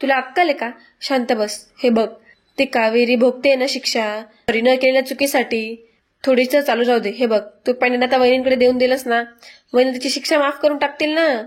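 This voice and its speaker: A woman's voice: sits high, steady tone, normal speed. A woman voicing a bossy, scheming middle-aged aunt who scolds her niece. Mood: scolding.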